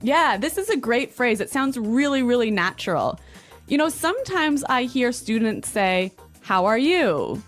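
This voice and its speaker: A woman's voice: fairly high pitch, lively intonation, measured pace, soft background music. A woman with a standard American accent co-hosting a language lesson podcast in a conversational style.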